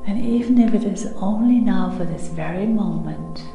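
A woman leading a guided meditation in the airy, breathy, soothing manner of a mystical healer, often dropping close to a whisper. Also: mid-range voice, dark tone. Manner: soothing, deliberate. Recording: echoey reverberant sound over music. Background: music.

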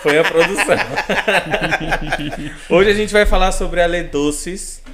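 A man's voice: fairly high pitch, slow pace, a crowd in the background. A man with a Brazilian Portuguese accent hosting a live podcast, joking and laughing often. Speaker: podcast host. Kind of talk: casual live podcast chat.

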